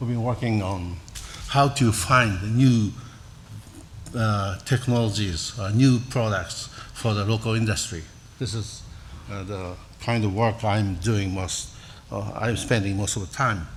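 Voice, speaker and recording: Through audible room echo, a man with a fairly low pitch speaks at a fairly slow pace, with fairly even intonation and long, frequent pauses. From Japan. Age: 70s. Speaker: chemist. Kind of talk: lecture. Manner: halting.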